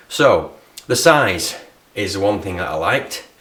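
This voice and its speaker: With a northern English accent, a man speaks with very wide pitch swings amid noticeable background noise and audible room echo. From northern England. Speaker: tech reviewer. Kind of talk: vlog review. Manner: fast.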